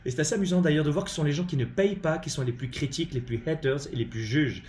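A man from France with a French accent, hosting a live-streamed motivational talk on leadership from home, emphatic and animated with lots of hesitant fillers. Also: fairly high pitch, quick pace, echoey room, a little hiss or hum. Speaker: leadership coach and live show host.

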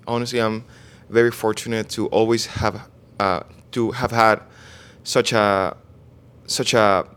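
A young man from Venezuela, a guest in a casual interview, who speaks haltingly, restarts often and searches for words. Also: mid-range voice, fairly bright tone, smooth. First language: Spanish. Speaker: guest, online fitness coach.

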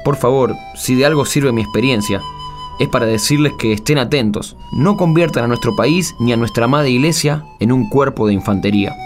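A man's voice: mid-range voice, fairly quick, lightly acted. Male actor for wounded, candid Argentine ex-soldier of faith, middle-aged, emphatic everyday speech, radio play with faint music bed. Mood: earnest. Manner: emphatic, colloquial. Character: candid, wounded Malvinas war veteran turned devout Catholic. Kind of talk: radio drama interview acting.

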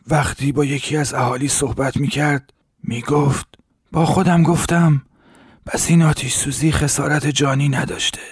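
A hoarse grieving old villager. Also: male voice, fairly high pitch, no echo, clean studio sound. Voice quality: hoarse, raspy. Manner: halting, sorrowful storytelling. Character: grieving old village man recounting horrors. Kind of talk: audio drama acting.

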